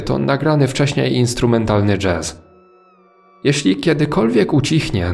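Male horror narrator, low register, heavy vocal fry, scripted first-person storytelling. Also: a little mellow.

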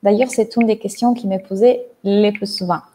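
A woman's voice: mid-range voice, normal speed. Italian-accented woman coaching on a video call. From Italy. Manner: lively, gestures a lot with her hands while explaining. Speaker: mindset coach and hypnotherapist. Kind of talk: online talk, explaining to a live audience. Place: bright room at home, indoors. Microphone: earphone headset mic on a video call.

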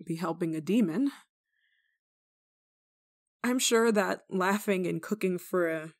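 A woman playing a kindly, rule-breaking nun in an ASMR roleplay, speaking to the listener in a gently teasing, caring manner. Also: fairly low pitch. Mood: wry, candid. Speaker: roleplay voice actor.

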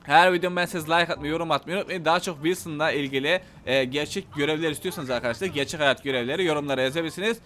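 A man giving casual gameplay commentary, excitable, shouting angry threats one moment and muttering calmly to himself the next. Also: on the high side, rapid-fire, few pauses, soft background music. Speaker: gameplay YouTuber.

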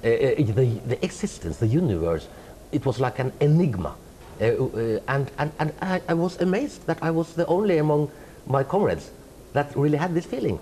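Speaking at a moderate pace in a fairly high voice, a Norwegian-accented middle-aged writer from Norway gives thoughtful interview answers. He hesitates a lot, with fillers and restarts, while his hands gesture animatedly. The room is indoors with a tapestry wall, and there's a little hiss or hum.

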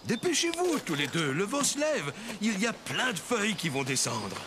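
A lively elderly cartoon grandfather. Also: high voice, moderate pace, very noisy. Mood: excited. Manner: animated, storytelling to a small child. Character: cheerful elderly grandfather, playful and kindly. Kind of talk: children's cartoon acting. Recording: music behind the voice.

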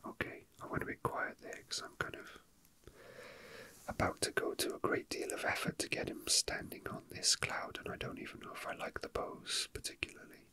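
Whispering ASMR man, breathy and bright. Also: moderate pace. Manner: hesitant, musing to himself. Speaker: ASMR host. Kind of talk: whispered ASMR, casual rambling while handling a figurine.

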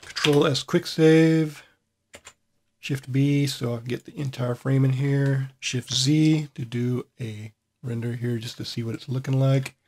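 Relaxed man thinking aloud in a tutorial. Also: medium pitch, unhurried. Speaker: software tutorial host. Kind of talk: casual screen-recorded tutorial.

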